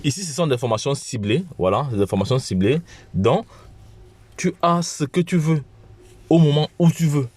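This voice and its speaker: A man with a cold giving an informal promotional pitch as a channel host, halting and often repeating his phrases. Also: darkish tone, breathy edge, no room sound. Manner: halting, repetitive, with frequent restarts. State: has a cold.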